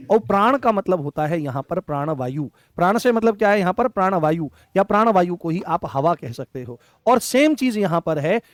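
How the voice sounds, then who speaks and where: A man's voice: sits high, dry recording, clean studio sound. A man teaching a Hindi grammar lesson, repeating key phrases and quizzing his students with fond nicknames. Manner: affectionate terms for students. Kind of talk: online exam-prep lesson.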